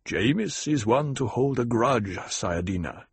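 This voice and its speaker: A grave desert tribal leader, as a male reader voices him, rumbling low and slow. His tone is steady and deliberate. The sound is husky and dry. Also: no room sound, exaggerated voice.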